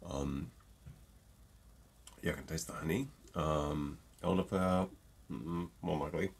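A man's voice: a bass voice, fairly even intonation, unhurried, creaky, breathy edge. A middle-aged man with a stuffy nose from a cold, chatting jokily to camera from a room at home, close to a desk mic. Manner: chatty and jokey, with many ums. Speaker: gin reviewer. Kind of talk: casual tasting chat to camera. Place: home room with shelves of bottles.

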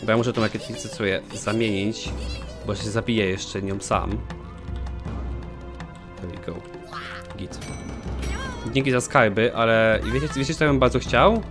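A man's voice: lowish voice, unhurried, pauses often, music in the background. A young man commenting casually on his own gameplay, joking and swearing at himself. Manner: animated, swears a lot, jokey self-talk. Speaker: gaming channel host. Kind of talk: let's play commentary.

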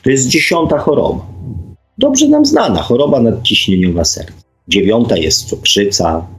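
A man's voice: mid-range voice, big pitch swings, moderate pace, faint music behind, low-quality recording. A man hosting a radio monologue, hesitantly reading out figures and repeating them for emphasis. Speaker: radio show host.

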